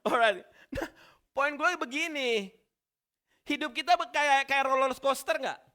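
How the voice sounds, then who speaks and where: Male pastor, high bright voice, animated sermon storytelling. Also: unhurried. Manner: lively storytelling with slang and shouted reenactments. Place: church.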